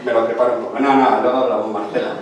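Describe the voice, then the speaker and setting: A man giving a lively, theatrical history lecture, recorded in a lecture hall. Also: mid-range voice, rapid-fire. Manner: theatrical storytelling. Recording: echoey hall from far off.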